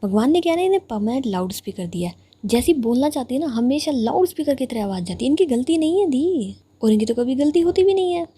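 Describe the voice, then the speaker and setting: A woman's voice: on the high side, fairly quick, mellow, husky. A woman voicing a sarcastic, teasing young woman who bickers with a friend.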